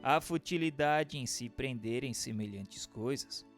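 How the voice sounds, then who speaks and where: A Brazilian man reading a book aloud as a narrator, in a formal, declamatory and deliberate scripted delivery. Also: medium pitch, gravelly, faint music behind. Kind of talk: scripted audiobook-like narration of a spiritist treatise.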